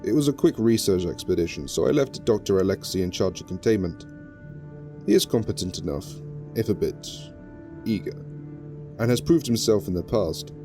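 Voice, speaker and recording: An actor playing a calm, terse male researcher who answers questions in a brisk, dismissive way, from a played animated video. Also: on the low side. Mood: curt. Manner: brisk, dismissive, matter-of-fact. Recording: music playing underneath.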